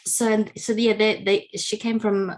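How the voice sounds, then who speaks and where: A woman's voice: mid-range voice, flat delivery, a little slow. A woman from Indonesia, telling her life story as an interview guest over a video call, searching for words with many fillers. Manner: warm, searching for words, frequent laughs and fillers.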